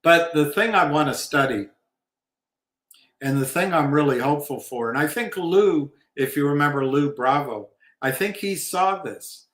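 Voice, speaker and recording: A man's voice: a little high, animated, moderate pace, a bit bright. A man hosting a casual livestream about markets, rambling and opinionated with wry asides. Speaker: livestream host. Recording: roomy echo.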